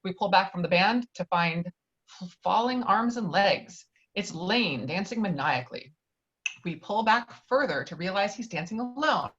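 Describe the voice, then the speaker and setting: A woman's voice: mid-range voice, expressive, normal speed, a bit bright, lo-fi sound. A woman reading screenplay stage directions aloud as narrator of a table read.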